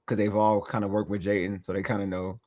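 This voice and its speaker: Excitable man talking football, AAVE. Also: lowish voice, quick pace. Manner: excitable, laughs often, rambling restarts. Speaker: podcast host. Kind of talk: casual sports chat.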